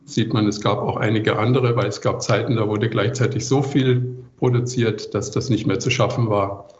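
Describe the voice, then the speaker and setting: An older man giving relaxed answers as an interview guest. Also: lowish voice, moderate pace, a little hiss or hum. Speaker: composer interviewed as podcast guest. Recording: muffled, roomy, echoey remote recording.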